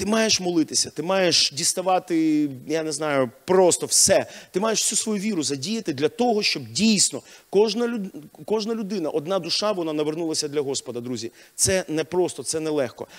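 Moderately paced male speech in a quiet setting. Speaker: preacher. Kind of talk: sermon. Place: church. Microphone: handheld.

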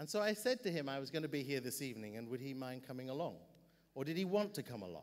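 With a British accent, a man talks at a very fast pace using lively intonation. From United Kingdom. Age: 50s. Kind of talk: sermon. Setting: stage with audience. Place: hall. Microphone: handheld.

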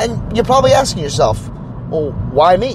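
A man talks at a very fast pace. Noticeable background noise is heard behind him. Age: 40s. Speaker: faith podcast host. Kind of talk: inspirational monologue. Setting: live stream broadcast.

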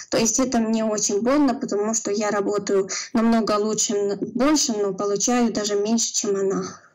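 Using fairly even intonation, a woman speaks at a moderate pace with a fairly high pitch. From Moldova. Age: 20s. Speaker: caller seeking psychological advice. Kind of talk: therapy consultation. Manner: halting.

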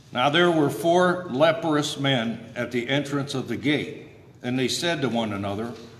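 A man at a fairly slow pace, ordinary pitch variation, audible room echo. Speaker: preacher. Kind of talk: sermon scripture reading. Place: church. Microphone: phone near.

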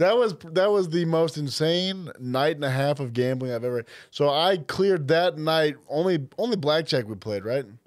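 Against a quiet background, a man with a fairly high pitch speaks at a moderate pace with hardly any pauses. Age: 30s. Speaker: podcast co-host, casual fan; podcast co-host. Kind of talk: casual chat. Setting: studio. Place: studio. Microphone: studio mic.

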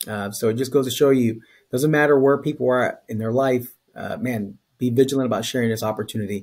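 A man with an ordinary speaking voice, medium in pitch, at a fairly quick pace with fairly even intonation, over a quiet background. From Miami, Cuban-American. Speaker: insurance agency leader; podcast guest. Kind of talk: casual interview. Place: office.

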